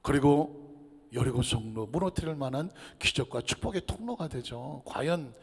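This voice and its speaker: Male pastor, sermon with a humorous story, mid-pitched, long church reverb. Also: expressive, normal speed, creaky, slightly rough. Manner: engages the congregation with questions. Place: church sanctuary.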